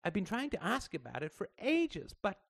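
A man's voice: high-pitched, wildly swooping pitch, normal speed, creaky, a bit bright, no room sound, studio quality, pitched above the performer's own voice, heavily acted. A man voicing a persistent, earnest young schoolgirl who halts and searches for words.

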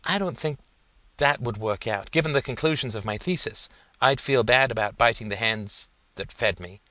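A man's voice: medium pitch, normal speed, sharp tone, no echo, close to an everyday voice. A man playing an earnest, insecure young male student who stammers and hesitates.

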